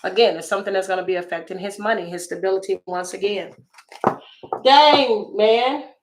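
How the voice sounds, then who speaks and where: Slightly raspy woman chatting through tarot. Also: mid-range voice, moderate pace, noisy background. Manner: chatty, exclaiming, talks to viewers. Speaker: tarot reader. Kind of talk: casual tarot reading to viewers.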